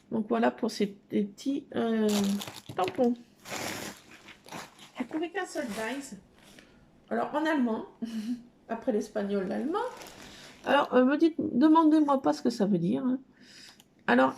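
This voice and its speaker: A woman's voice: on the high side, creaky, darkish tone. A middle-aged woman casually chatting at home as she shows off her craft haul, hesitant, with many fillers. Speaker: craft vlogger showing a haul. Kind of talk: casual show-and-tell chat. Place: at home indoors.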